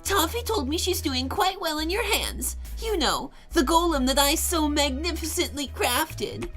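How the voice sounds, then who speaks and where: Snooty dramatic witch for a game, high whiny voice, swoops around, boastful. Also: animated, unhurried, fairly bright tone, faint music behind. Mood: smug. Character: haughty, dramatic candy-obsessed female witch.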